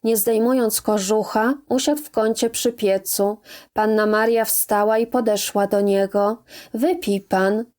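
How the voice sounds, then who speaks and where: A woman reading a classic novel aloud as an audiobook narrator, in a measured, even manner. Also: mid-range voice. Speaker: audiobook reader.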